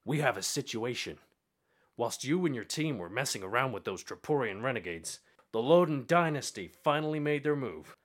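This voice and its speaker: A man's voice: medium pitch, expressive, normal speed, a bit bright. A man playing a stern, commanding colonel in a dramatic sci-fi war scene. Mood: stern, urgent. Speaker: voice actor. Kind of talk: dramatic game-style voice acting.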